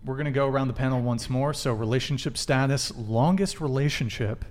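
Guy hosting a panel show, casual and offhand, kinda loosely organized, mid pitch. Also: brisk, darkish tone. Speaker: talk show host.

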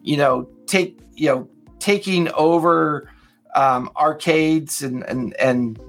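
A man's voice: fairly high pitch, takes it slowly, gravelly, a bit bright, soft background music. A man in his fifties co-hosting a podcast, chatting casually and reflectively with lots of fillers. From Southern California. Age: 50s. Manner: rambling, reflective, many fillers. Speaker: podcast co-host. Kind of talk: casual chat.

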